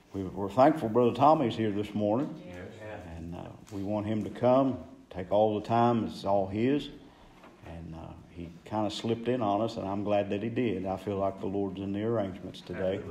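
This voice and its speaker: Light background noise sits behind a man's fairly low voice. His pitch varies in an ordinary way. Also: moderate pace, big swings in loudness. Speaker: church pastor leading service and prayer; church elder or pastor introducing the preacher. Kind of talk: church welcome and spoken prayer; sermon-style church remarks. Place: church.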